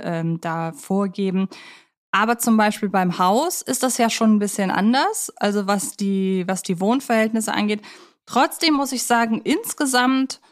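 A young adult woman co-hosting a podcast, discussing films casually in a reflective, explanatory way. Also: mid-range voice. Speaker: podcast co-host.

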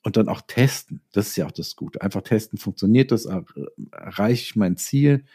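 A man's voice: on the low side, moderate pace, mellow, husky. A man speaking as a guest in a casual interview, thinking aloud with repeated words and self-corrections.

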